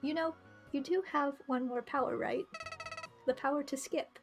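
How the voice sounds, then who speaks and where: High-voiced, mock-sweet villain flower voiced by a woman. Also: fairly even intonation, normal speed. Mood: taunting. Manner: mock-friendly, needling. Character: small male talking flower, falsely sweet, taunting villain. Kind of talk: visual novel character read aloud. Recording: music behind the voice.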